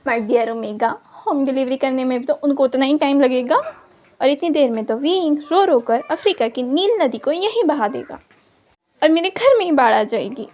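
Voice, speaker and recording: A woman's voice: high voice, animated, normal speed, darkish tone, a little hiss or hum. A woman doing a wry, teasing elder brother.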